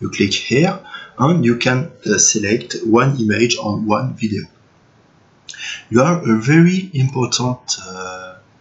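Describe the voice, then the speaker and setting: The speaker talks at a very slow pace with long, frequent pauses and very wide pitch swings, against noticeable background noise. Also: man, medium pitch for a man. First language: not English. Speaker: software tutorial maker. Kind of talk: tutorial. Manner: halting, many fillers.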